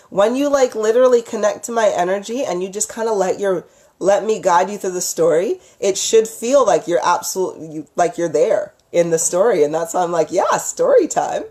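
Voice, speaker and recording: A woman with a medium-pitched, darkish voice hosts a casual livestream. A storyteller and psychic healer, she chats informally and gushingly with her viewers, calling them by affectionate endearments.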